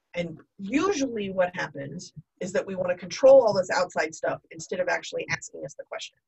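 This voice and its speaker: A woman with an American accent speaks at a medium pitch and a moderate pace. Her intonation is lively and her voice somewhat breathy. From US South, Texas. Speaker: diversity educator and speaker. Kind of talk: interview.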